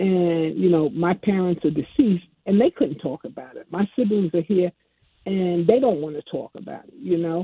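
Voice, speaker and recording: In an American accent, a woman with a fairly low pitch speaks at a moderate pace, with ordinary pitch variation and big swings in loudness. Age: 60s. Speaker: caller. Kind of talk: personal testimony. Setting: phone call. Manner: halting.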